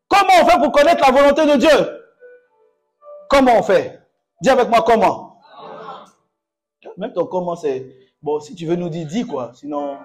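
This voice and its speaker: Leading his flock through call-and-response, the pastor preaches with bursts of loud exclamation. His voice is pitched high.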